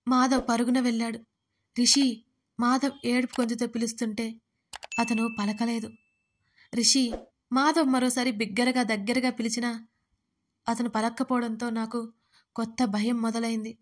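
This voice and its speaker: A woman's voice: on the high side, little pitch movement, normal speed, long pauses. A woman narrating her own emotional love story in the first person, with dramatic, tearful storytelling. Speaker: writer and narrator of audio stories.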